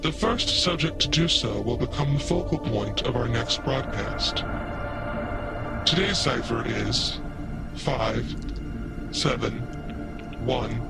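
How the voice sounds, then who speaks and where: A man's voice: medium pitch, close to an everyday voice. A man playing a cold, methodical announcer of a cryptic test broadcast in a horror audio drama. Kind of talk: slow scripted announcement.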